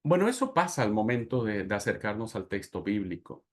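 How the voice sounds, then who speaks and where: Man, Mexican accent, Bible class lecture, lively storytelling with asides. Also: lowish voice, brisk. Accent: Mexican Spanish. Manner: animated storytelling with laughs and asides.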